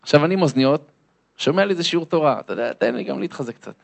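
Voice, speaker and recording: A man's voice: on the high side, expressive, creaky. A man, a lecturer, telling a comic story to an audience and acting out the voices and sounds in it.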